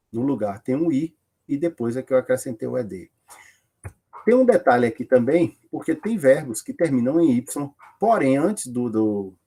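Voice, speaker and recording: Brazilian male teacher, husky mid-pitched voice, patient step-by-step explainer. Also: dark tone. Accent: Brazilian Portuguese. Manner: explains step by step, asks and answers own questions. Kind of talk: recorded classroom lesson.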